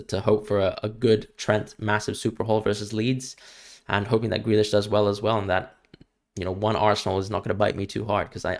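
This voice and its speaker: A man's voice: on the low side, vocal fry. A young man from Hong Kong with an international school accent, chatting casually on a live stream and answering viewers' questions, often stumbling over repeated words. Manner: chatty, repeats words when starting sentences.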